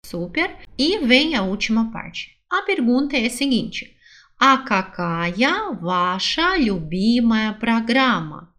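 A woman teaching a language lesson, repeating each phrase slowly and switching between two languages to explain it. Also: fairly high pitch, sing-song, a bit bright.

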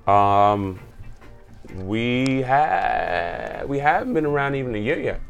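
A man from Jamaica, a community organizer, chatting as an interview guest in an upbeat way, full of shout-outs and laughs. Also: medium pitch, animated, slow pace, creaky, muffled recording, soft background music. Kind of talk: casual interview chat.

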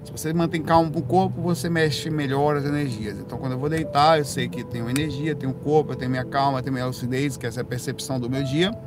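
A Brazilian man, hosting a casual live stream, answering viewer comments in a rambling, self-correcting way with animated bursts. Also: mid-range voice, fast talker, hardly any pauses, over music. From Brazil, raised in Bahia. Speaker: livestream host answering viewer questions.

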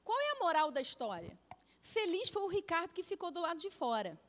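High-voiced Brazilian woman preaching in a hall. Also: fairly quick. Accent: Brazilian Portuguese. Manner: storytelling, animated with acted-out quotes. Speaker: pastor's wife preaching. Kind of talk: sermon. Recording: long hall reverb.

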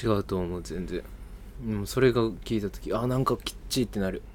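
A young man with a Kansai accent co-hosting a casual podcast, bantering in a relaxed way with frequent laughs. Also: on the low side, brisk, a little hiss or hum. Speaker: podcast co-host. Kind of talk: casual radio chat.

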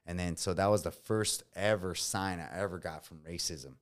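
A man's voice: sits low, normal speed. A man with a slight Latino accent and Spanish as his first language, telling stories casually and with slang in an interview. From United States. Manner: relaxed, slangy storytelling with frequent fillers. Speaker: guest, combat veteran.

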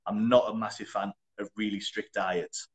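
A young man, a personal trainer, answering in a relaxed, chatty way with blunt wording and frequent laughs. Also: fairly low pitch, normal speed. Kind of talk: casual interview.

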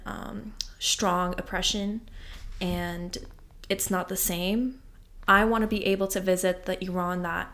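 A woman's voice: fairly low pitch, fairly bright tone. A young woman appearing as a podcast guest, speaking in a heartfelt, sincere way. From United States.

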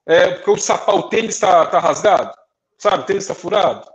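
A high-voiced young man from Brazil rattles off stories in a casual podcast chat, his pitch swinging widely. He jumps in and out of quoted dialogue, giving each person in the story a voice of their own. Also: animated, a little fast, rough recording. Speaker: podcast co-host.

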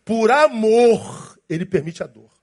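Um pastor com sotaque brasileiro pregando um sermão de jeito coloquial e vivo, encenando situações. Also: male voice, sits high, slow. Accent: Brazilian Portuguese. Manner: lively, acts out scenes, colloquial. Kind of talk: sermon.

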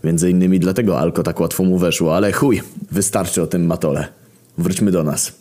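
Deep-voiced young man narrating a crude comedy story. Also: fairly even intonation, a little fast, warm tone. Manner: brash, profane and sardonic.

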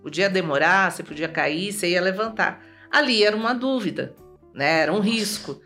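A Brazilian woman as an interview guest, telling a personal story in a lively way, acting out remembered dialogue and often tagging her sentences with "né?". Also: on the low side, normal speed, faint music behind. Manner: lively, acts out remembered dialogue, tags lines with "né?".

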